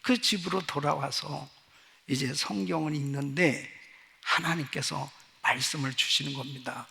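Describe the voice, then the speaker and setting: A middle-aged male pastor giving a sermon, telling a story emphatically, swinging from hushed to loud. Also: on the high side, unhurried, creaky. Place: large church sanctuary. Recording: church hall reverb.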